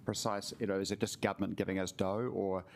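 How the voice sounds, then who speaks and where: Blunt deep-voiced New councillor. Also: male voice, flat delivery, quick pace, vocal fry. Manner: blunt, pressing for specifics. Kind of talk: formal meeting questions.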